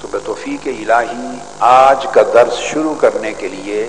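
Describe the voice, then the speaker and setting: An older man, a religious scholar, giving a formal hadith lesson from a podium, measured and scholarly with emphatic rises. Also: medium pitch. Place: large outdoor stadium stage. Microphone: podium microphones. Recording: hall echo, faint background noise.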